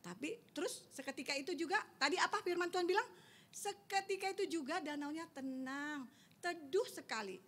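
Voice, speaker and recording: A woman's voice: high voice, brisk. A young woman, telling a Bible story to children as a Sunday school teacher and quizzing them as she goes. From Indonesia. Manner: lively, keeps quizzing the children.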